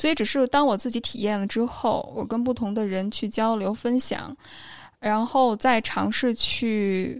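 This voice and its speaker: A woman's plain, everyday voice, fairly high in pitch, with fairly even intonation and a fairly slow pace. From northern China. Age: 20s. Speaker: relationship coach and podcaster. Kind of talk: casual interview conversation. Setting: live-streamed podcast.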